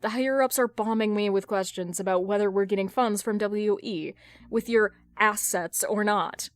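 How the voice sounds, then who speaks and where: Woman acting a scathing, deadpan businesswoman. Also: medium pitch, moderate pace, no echo, clean studio sound, close to an everyday voice. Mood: exasperated, stern. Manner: deadpan, sarcastic, blunt. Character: sharp, judgmental businesswoman, scathing exasperated ex.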